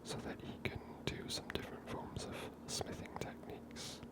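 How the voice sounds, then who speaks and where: A man whispering unhurried ASMR commentary over a video game, breathy and musing aloud as the host.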